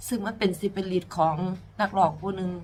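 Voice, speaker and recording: A woman's voice: medium pitch, steady tone, quick pace, slight background noise. A woman singer with an Isan accent, telling a personal story in tears and pleading earnestly with her listeners. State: tearful. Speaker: mor lam singer.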